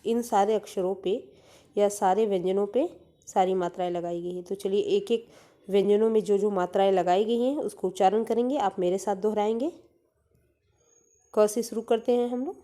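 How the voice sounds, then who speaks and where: A woman teacher gives an online lesson, saying syllables slowly one by one for the children to repeat. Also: mid-range voice, steady tone, dark tone. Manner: slow, drawn-out syllable drills.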